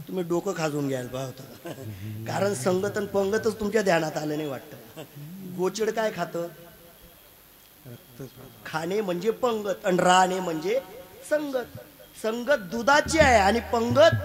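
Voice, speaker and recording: High-voiced man preaching a lively kirtan. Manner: humorous preaching with repeated sayings and laughing asides. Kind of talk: devotional kirtan sermon. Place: live kirtan gathering before an audience. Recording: live recording with crowd sound. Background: listening audience.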